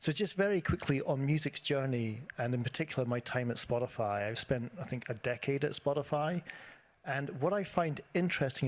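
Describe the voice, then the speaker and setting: The voice belongs to a man with a Scottish accent. Pitch rises and falls in an ordinary way. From Scotland. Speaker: economist and author. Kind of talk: conference talk. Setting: auditorium with audience. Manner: fast.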